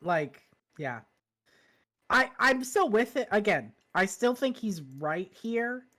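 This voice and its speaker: Stream co-host lady, casual chat, mid pitch, thinks out loud with lots of hedging. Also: expressive, slow pace. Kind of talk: casual chat about a book.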